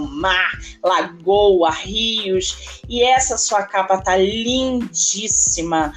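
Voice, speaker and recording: A Brazilian woman with a Brazilian Portuguese accent hosting a podcast interview, effusive and chatty, often turning to her listeners. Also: mid-range voice. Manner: warm effusive, addresses listeners as "gente". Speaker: podcast host. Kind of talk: casual interview.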